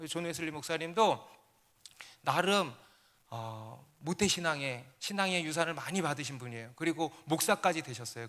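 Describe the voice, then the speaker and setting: High, bright-voiced pastor preaching. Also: male voice. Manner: storytelling, rising to emphatic peaks. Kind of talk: sermon.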